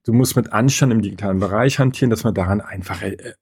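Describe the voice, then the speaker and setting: A man's voice: fairly low pitch, fast, a little mellow, slightly rough, no room sound, studio quality. A man being interviewed as an etiquette expert, speaking in an opinionated, emphatic and rambling way. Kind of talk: conversational interview.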